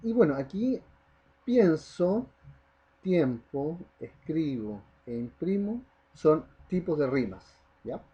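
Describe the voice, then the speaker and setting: A man's voice: fairly high pitch, big pitch swings, slow, warm tone, slightly rough, lo-fi sound. A man teaching a primary school class, explaining step by step, stressing the example words and often checking in with the children. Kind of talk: recorded online class lesson.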